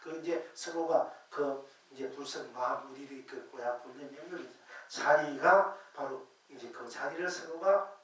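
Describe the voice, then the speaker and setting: An older man, a Zen master, giving a dharma sermon in a temple hall, unhurried and rambling with many filler words. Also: mid-range voice. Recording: very echoey hall, voice far from mic.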